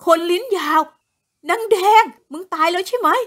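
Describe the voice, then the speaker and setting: A woman's voice: extremely high pitch, drawn-out words, pushed and bright, voice pushed up, full character voice. A woman voicing a cowardly village husband who pleads in a shaken voice. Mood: panicked.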